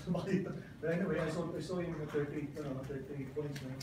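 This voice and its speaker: A middle-aged man with a Filipino accent answers reporters at a post-game press table, switching between Filipino and English. He stops often and reaches for filler words. His slightly high voice bounces around a very echoey room, caught by a mic set far from him over loud background noise. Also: fairly even intonation. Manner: mixes Filipino and English, halting with many fillers. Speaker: basketball coach. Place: press room with sponsor backdrop. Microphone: table microphones, heard from a distance.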